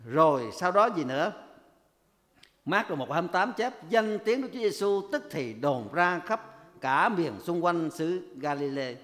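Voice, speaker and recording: High, lively man preaching in a hall. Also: moderate pace. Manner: rhetorical questions to the congregation, voice rising when quoting. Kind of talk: sermon. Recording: long hall reverb.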